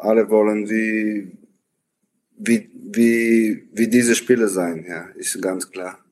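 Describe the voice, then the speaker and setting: A man with a Bulgarian accent speaks very slowly at a fairly low pitch, his loudness swinging widely while his intonation stays fairly even. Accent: Bulgarian, foreign. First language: Bulgarian (speaking German). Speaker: former footballer. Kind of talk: casual interview. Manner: halting.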